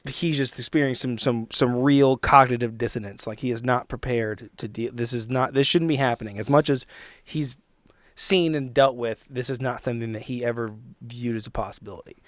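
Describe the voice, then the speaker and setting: A man's voice: medium pitch, fairly even intonation, brisk, dry recording, clean studio sound. A man on a tabletop role-play podcast, narrating casually and rephrasing as he thinks.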